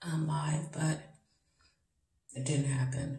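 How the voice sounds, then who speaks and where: A woman talks at a fairly slow pace in a space with audible room echo. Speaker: lifestyle vlogger. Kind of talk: casual vlog. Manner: casual, hesitant with ums. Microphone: phone near.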